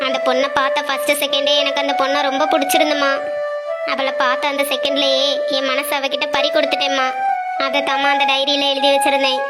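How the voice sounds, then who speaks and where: A woman's voice: sits high, close to an everyday voice. A woman voicing a young office-working son in a cartoon family story, sulky and pleading. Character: young adult male son, an office worker, defensive and lovestruck.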